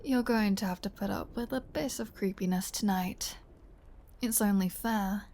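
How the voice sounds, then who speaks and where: A woman's voice: mid-range voice, normal speed, darkish tone, slight background noise, close to an everyday voice. A woman playing a flirty, menacing vampire in an intimate ASMR audio roleplay, teasing and sardonic, sometimes slipping toward a whisper. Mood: playful, sardonic. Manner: teasing, sardonic, drawling, drops into breathy whispers. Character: flirty, playful, menacing female vampire taunting a hunter.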